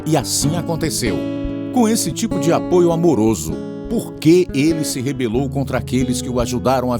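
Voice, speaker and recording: Male announcer, Brazilian accent, scripted dramatic narration, mid-pitched, expressive melody, clear music bed. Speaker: radio program narrator and announcer.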